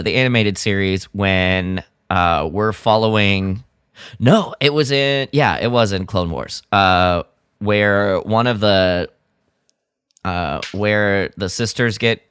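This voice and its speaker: A man's voice: fairly low pitch, fairly bright tone, clear, resonant tone, no echo, studio quality. A man co-hosting a podcast, sharing opinions in an informal, rambling way. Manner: rambling, informal, frequent filler "like". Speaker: podcast co-host. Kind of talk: casual chat giving opinions.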